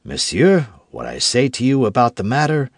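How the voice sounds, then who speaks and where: A man voicing a suave young musketeer who is half a churchman, speaking in a measured, dryly mocking, controlled way in an audiobook. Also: mid-range voice, very animated, no echo, clean studio sound. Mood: cool, reproving. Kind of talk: audiobook character voice.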